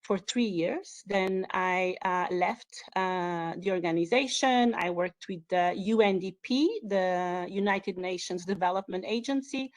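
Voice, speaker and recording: Portuguese-born woman on a video call, halting, lots of uh and um. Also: medium pitch. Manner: hesitant, many fillers and restarts. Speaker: hiring manager. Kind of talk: webinar presentation.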